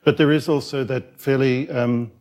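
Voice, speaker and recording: A man's voice: mid-range voice, fairly even intonation, normal speed, a little mellow. Hesitant Australian man moderating. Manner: hesitant, many ums and rephrasings. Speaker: professor moderating a panel. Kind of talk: moderating a panel discussion. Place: theatre stage at a public event. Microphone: microphone.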